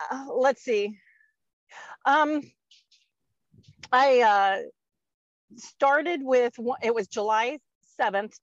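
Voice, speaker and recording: Here a fifty-something woman is a guest on a podcast, chatting loosely, laughing often, and filling her rambling with fillers. She has a mid-range voice, captured in a dull, dry, lo-fi recording.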